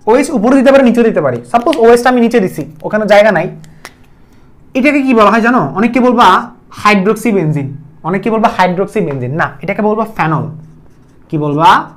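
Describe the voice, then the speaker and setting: A man's voice: high voice, animated, a little fast. A man with a Bangladeshi Bengali accent giving a chemistry video lecture, repeating key terms and quizzing the viewer with questions. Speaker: chemistry teacher.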